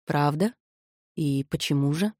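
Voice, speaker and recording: A woman putting on a calm, teasing young man. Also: low voice, unhurried, dry recording, studio quality, pitched below the performer's own voice. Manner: soft, easygoing, lightly amused. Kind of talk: audiobook character voice.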